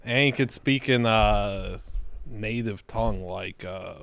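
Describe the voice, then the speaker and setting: A man's voice: on the low side, slow, gravelly, fairly bright tone, dry recording. A man chiming in on a sports podcast, teasing and playful in casual chat.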